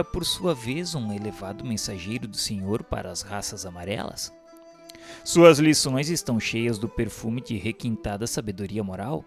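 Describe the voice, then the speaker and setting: A Brazilian man giving a solemn, scripted spiritual narration in a formal, measured, declamatory way. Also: mid-range voice. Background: instrumental music.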